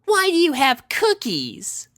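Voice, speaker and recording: A man acts out a young filly bully from a storybook, pitched high and sharp. The voice is haughty, demanding and suspicious, with big swoops in pitch. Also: wildly swooping pitch, takes it slowly, full character voice. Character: pompous, suspicious young girl pony bully.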